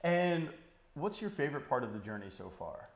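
A man in his thirties hosting an interview, asking halting questions and giving short affirmations on a lapel mic. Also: a little high, sing-song, echoey room. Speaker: interviewer host. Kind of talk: casual interview. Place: indoor lounge with sofa.

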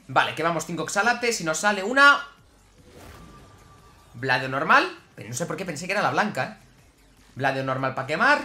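Excitable Spanish gaming commentator, lively. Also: male voice, fairly high pitch. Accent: Spain Spanish. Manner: excitable, swings from grumbling to yelling. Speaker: gaming YouTuber. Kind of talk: gameplay commentary to viewers.

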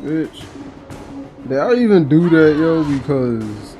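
A man's voice: fairly high pitch, big pitch swings, takes it slowly, mellow. A man giving casual, slangy and profane commentary while playing a video game. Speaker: gaming video host. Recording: faint game music behind.

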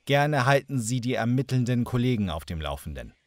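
An actor playing a tired police inspector brushing off an angry visitor in a radio drama, curt and dismissive. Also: male voice, mid-range voice, big pitch swings, fairly quick, darkish tone, no echo, studio quality, natural voice. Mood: annoyed. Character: tired, weary male police inspector at home.

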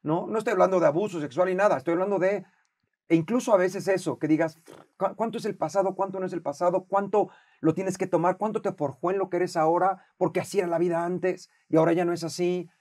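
A middle-aged man with a Mexican accent hosting a casual conversation, animated, acting out shouted quotes and swearing freely. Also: high-pitched, quick pace. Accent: Mexican Spanish. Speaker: podcast host.

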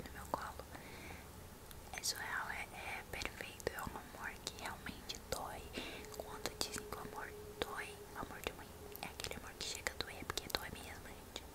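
A young woman with a São Paulo Brazilian accent speaks in an intimate ASMR whisper, casually answering viewers' questions close to the microphone in a small room. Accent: Brazilian, São Paulo state. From São Paulo state, Brazil. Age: young adult. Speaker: ASMR video creator and host. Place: small bedroom indoors. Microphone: large microphone right at the mouth.

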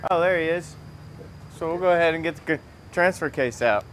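A man's voice: fairly high pitch, fairly quick, a bit bright, rough recording. A man talking casually and chattily to viewers as a mechanic while he works in a garage. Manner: folksy, chatty. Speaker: transmission mechanic presenting a video. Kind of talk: casual hands-on shop chat to viewers. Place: auto repair garage, under a lifted truck. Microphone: camera a few meters away. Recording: clear garage noise behind.

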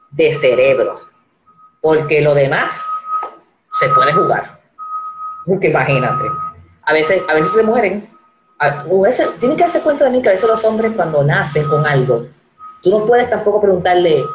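A woman in her forties hosting a casual live-stream chat, animated and acting out the voices she quotes. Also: lowish voice, moderate pace, reverberant, noisy background. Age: 40s. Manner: animated, acts out quoted voices, repeats words.

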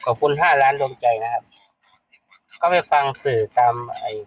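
A livestream host with a medium-pitched voice talks at a moderate pace, chatting bluntly with his viewers and calling them brothers and sisters. His streaming setup gives a dry, dull sound.

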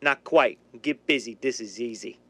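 An actor playing a brutal, bossy gangster thug who barks slang in a gravelly voice, in 1930s radio style. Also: male voice, mid-range voice, moderate pace, fairly bright tone.

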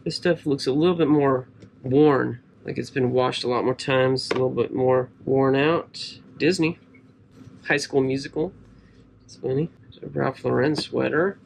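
A man's voice: medium pitch, steady tone, unhurried, vocal fry, a little hiss or hum. A man in his thirties chatting casually to camera while sorting clothes from a storage locker in a cluttered room. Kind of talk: casual unboxing commentary to camera.

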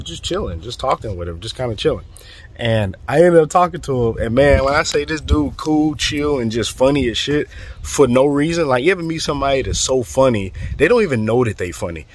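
A man from the southern United States with a hoarse, fading voice, telling an animated, profane story in a casual vlog. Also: mid-range voice, slight background noise. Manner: animated, profane, acts out quotes. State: hoarse, voice going. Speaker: real estate vlogger.

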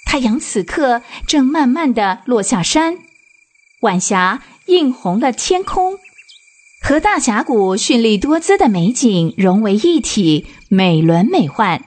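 A woman narrating a children's radio drama in an expressive storytelling manner. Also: fairly high pitch, slow pace, heavily acted.

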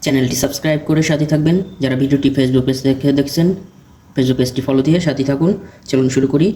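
In a mid-range voice and at a fast clip, a man coaching students for exams works through quiz questions, stating each one and then giving its answer in a steady back-and-forth recitation.

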